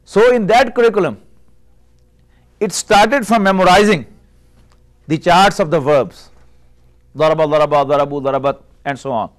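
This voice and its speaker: An Arabic teacher, a middle-aged man whose first language is Urdu, lectures a class in a small room through a lapel mic. His voice sits on the high side, and he explains things in a measured way, posing rhetorical questions.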